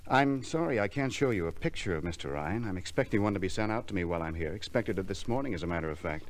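Junior lawyer, courteous, precise, slightly hesitant, low pitch, expressive intonation, 1940s radio drama. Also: male voice, fast, a little hiss or hum. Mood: precise, explanatory. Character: polite, slightly fussy junior lawyer from out of town.

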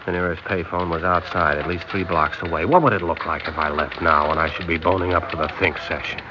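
A wry undercover agent, played by a man, narrating in a vintage radio drama. His voice sits very low, and his telling is laconic. Clear hiss runs under a dull old broadcast sound. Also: steady tone, a little fast, natural voice. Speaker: narrator and lead.

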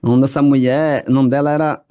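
A man's voice: medium pitch, fairly even intonation, fast, mellow, clean tone. A man, a singer-songwriter guest, giving earnest, emotional, rambling answers in a casual interview.

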